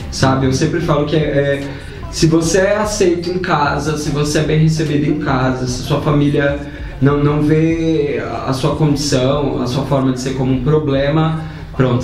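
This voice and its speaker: A man, telling stories as a guest in quick, lively bursts with a few repeats. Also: fairly high pitch. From Guarulhos, Brazil. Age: 20s. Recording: echoey room, mic at a distance.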